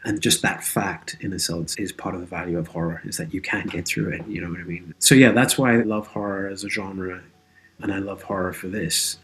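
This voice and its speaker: A man with a fairly low voice speaks as an interview guest. He is earnest and reflective, working through his thoughts in a philosophical, conversational way. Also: steady tone, brisk, a bit bright, faint music behind. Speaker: interview guest, audio drama creator and actor.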